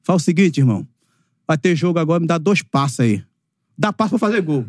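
A man in his fifties from Brazil, a former footballer and podcast guest, telling lively anecdotes in a casual chat, acting out quoted voices and laughing often. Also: on the high side, fairly quick, no room sound, clean studio sound.

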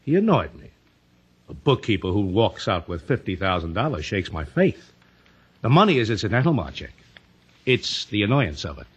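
An actor playing a cold, sardonic American gangster boss, clipped and quietly threatening, in an old radio drama. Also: male voice, lowish voice, very animated, normal speed, husky. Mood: quietly menacing. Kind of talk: 1950s radio crime drama acting. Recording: dull old radio recording.

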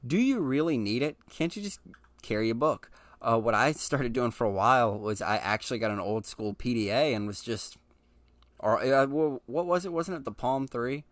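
A man's voice: medium pitch, normal speed, no room sound. Chatty man hosting a solo podcast. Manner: relaxed, chatty, with frequent ums and restarts; addresses listeners directly and informally. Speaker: podcast host. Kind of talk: casual solo podcast monologue.

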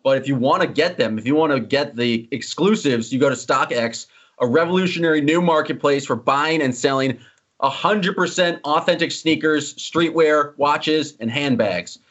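A man hosting a casual sports podcast, teasing his co-host and joking as he moves quickly through topics. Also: fairly high pitch, a bit bright. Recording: slightly dull lo-fi audio.

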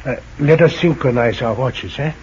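A man's voice: medium pitch, moderate pace, darkish tone, natural voice. A man playing a formal young resistance leader. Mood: earnest. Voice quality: formal, courteous. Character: polite Dutch underground leader, young man. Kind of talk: 1940s radio acting. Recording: dull old radio recording, faint hiss.

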